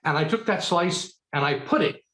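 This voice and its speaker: A middle-aged American man gives a theatrical comic speech in a mock-earnest, dramatic way with pauses, over a video call. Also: a little high, a bit bright. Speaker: speech contest speaker. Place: book-lined room at home. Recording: roomy, echoing video call.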